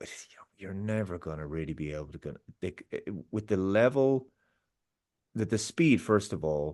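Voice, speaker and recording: Against a quiet background, a man speaks with an Irish accent at a fairly slow pace. His pitch is fairly low and his intonation lively. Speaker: YouTuber, film critic and novelist. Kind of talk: podcast interview guest.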